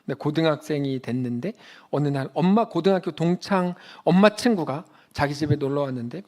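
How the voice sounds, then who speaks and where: A male pastor preaching a Sunday sermon in a church, telling stories and acting out quotes, swinging between loud emphatic peaks and quiet low asides. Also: fairly quick. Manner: storytelling, acts out quotes in a child's voice. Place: church sanctuary.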